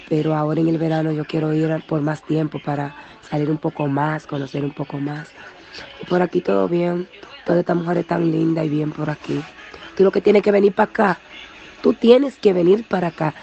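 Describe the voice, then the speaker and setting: A man with a Dominican accent and a high, gravelly voice. He talks in a warm, affectionate way and keeps urging his listener to come visit, like a close relative catching up. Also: dull audio. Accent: Dominican Spanish. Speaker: relative on a call. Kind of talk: casual conversation.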